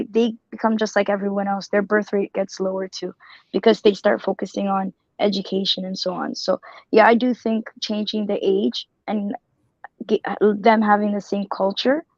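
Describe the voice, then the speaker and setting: A woman's voice: medium pitch, flat delivery, moderate pace, darkish tone, no echo, dull audio. A woman from Somalia joining an online group discussion, talking in a rambling, earnest way and often correcting herself. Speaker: caller.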